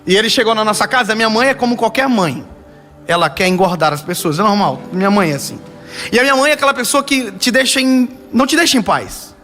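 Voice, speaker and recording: This is a storytelling sermon in Brazilian Portuguese from a young male preacher, whose delivery alternates between building emphasis and quiet, subdued passages.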